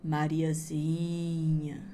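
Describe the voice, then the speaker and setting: Woman putting on a slow creepy forest witch. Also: low-pitched, monotone, warm tone, voice pushed down. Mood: menacing. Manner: slow, drawn-out, menacing calls. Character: creeping forest witch hunting a little girl.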